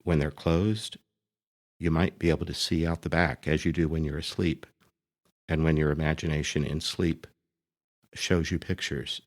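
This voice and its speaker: A man speaking as a priest leading a guided meditation, gently and deliberately, pausing between short phrases. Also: a bass voice, steady tone.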